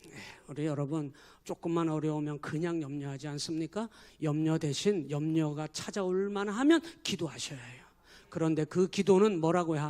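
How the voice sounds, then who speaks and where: A man's voice: on the high side, darkish tone. A man preaching a sermon as pastor, emphatic and forever addressing the congregation. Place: church.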